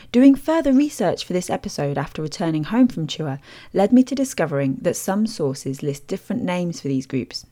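A woman hosts and narrates a language-travel podcast in a scripted, measured voice-over. Her voice sits a little low and paints each scene with careful description. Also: warm tone.

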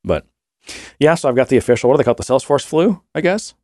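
A man's voice: medium pitch, lively intonation, fast, a little mellow, dry recording, clean studio sound. A man co-hosting a podcast in casual chat, rambling and laughing often while he has a cold and cough. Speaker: podcast co-host.

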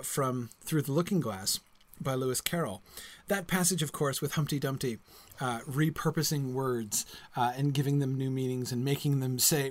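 A man's voice: mid-range voice, no room sound. A man hosting a reading event, speaking casually and rambling with many fillers. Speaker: event host. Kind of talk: casual remarks between readings.

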